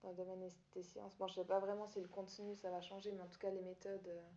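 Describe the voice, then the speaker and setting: A young woman whose first language is Italian answers an interviewer's questions, pausing often and restarting her sentences. Her voice is mellow and fairly flat in tone, set in an echoey room. The recording sounds dull and slightly lo-fi. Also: medium pitch, a little hiss or hum. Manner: hesitant, many fillers and restarts. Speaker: student teacher.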